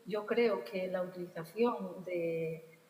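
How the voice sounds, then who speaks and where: Woman poet, panelist; earnest, quick bursts; echoey hall. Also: lowish voice, dark tone. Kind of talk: panel discussion. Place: large hall with long reverb.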